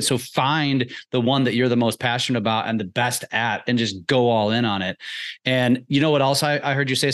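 A man's voice: medium pitch, fairly bright tone. A man hosting a podcast interview in an informal, emphatic, enthusiastic conversational way. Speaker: podcast host.

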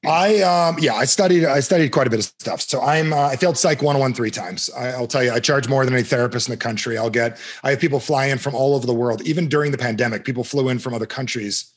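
Middle-aged man from New Jersey, husky voice, confident sales-style pitch, podcast guest. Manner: confident, punchy salesman delivery with quick repeats. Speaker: interview guest, coach and author. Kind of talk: energetic self-introduction in an interview.

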